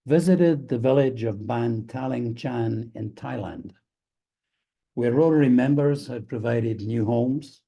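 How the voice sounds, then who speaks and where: An older Scottish man speaks publicly in a husky, creaky voice with a dark, relaxed tone. He takes his time and has a dry, wry way of addressing the meeting. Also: medium pitch, slow pace. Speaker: district governor, guest speaker. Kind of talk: public speech to a club meeting.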